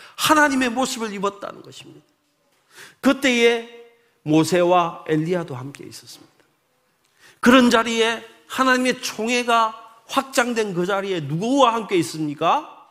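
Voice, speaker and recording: A man speaks at an extremely high pitch with lively intonation and big swings in loudness. His pace is fairly slow, with long, frequent pauses. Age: 60s. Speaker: missionary preacher. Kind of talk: sermon. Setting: church.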